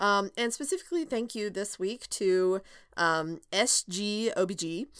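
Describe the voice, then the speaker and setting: The intonation is lively and the tone warm, in a Southern US accent. The recording is very clean with a silent background. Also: woman. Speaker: OB/GYN physician and coach. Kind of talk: solo podcast monologue, conversational teaching. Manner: conversational, warm, filler-heavy.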